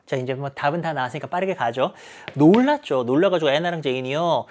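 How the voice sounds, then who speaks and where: Male lecturer, animated delivery, acts out dialogue for students. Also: a little high, fast. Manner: lively, acts out characters' lines while explaining. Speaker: English teacher. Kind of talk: exam explanation lecture.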